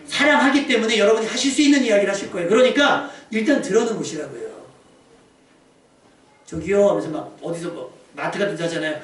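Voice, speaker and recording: High-voiced pastor preaching in an echoey hall. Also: male voice, racing, few pauses, recorded from a distance. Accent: Korean. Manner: animated preaching, acting out quoted voices. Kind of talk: sermon. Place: church sanctuary.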